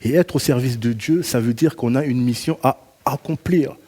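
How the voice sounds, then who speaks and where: A man's voice: mid-range voice, moderate pace. A man preaching a church sermon and telling a personal testimony, acting out the people he quotes. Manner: animated storytelling, acts out quoted dialogue.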